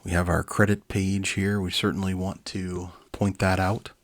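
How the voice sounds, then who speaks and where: A man in his forties hosting a children's book reading, mixing expressive narration with casual, enthusiastic asides. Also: low voice, moderate pace. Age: 40s.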